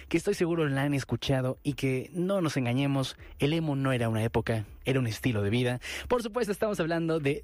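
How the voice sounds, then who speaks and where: A man with a Mexican Spanish accent hosting a radio ticket giveaway from a studio booth, animated and repeating phrases for emphasis. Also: medium pitch, dry recording. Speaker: radio host.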